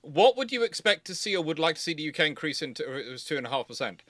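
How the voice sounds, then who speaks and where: A man hosting a casual live question-and-answer session, talking in a halting way and interrupting himself as he goes. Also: on the high side, very animated, fairly bright tone.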